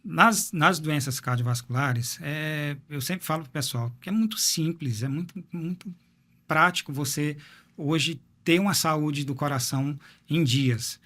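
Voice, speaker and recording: A man's voice: a little high, unhurried, sharp tone. A man, a cardiologist guest explaining heart health in an interview, often repeating words as he thinks. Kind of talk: medical interview.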